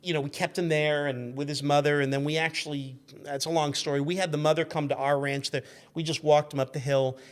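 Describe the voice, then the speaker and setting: Higher-voiced man telling wry anecdotes. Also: flat delivery, brisk, hardly any pauses. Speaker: show guest. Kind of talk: casual anecdotal radio chat.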